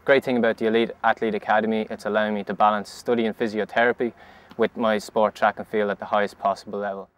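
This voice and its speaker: Clear, smooth young Irish man. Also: on the low side, level tone, quick pace. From Kildare, Ireland. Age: young adult. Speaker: student middle-distance runner. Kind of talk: spoken self-introduction.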